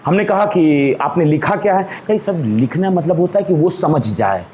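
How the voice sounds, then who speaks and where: Lively high-voiced male teacher. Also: normal speed, heavy background noise. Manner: drills terms by repeating them, calls students "babu". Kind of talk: classroom grammar lesson. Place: classroom with a board.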